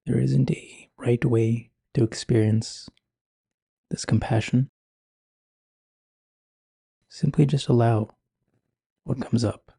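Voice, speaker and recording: Soft, husky man guiding meditation. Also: mid-range voice, fairly even intonation, dry recording. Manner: slow, gentle, measured with long pauses. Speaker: meditation guide. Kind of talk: guided meditation.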